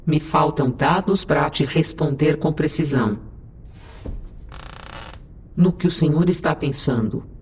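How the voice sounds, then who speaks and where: A woman's voice: low-pitched, measured pace, long pauses, darkish tone, a little hiss or hum. A woman voicing a sassy female AI first officer on a starship in an audio drama, sly and mock-sweet with her captain. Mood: smug. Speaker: ship's digital assistant.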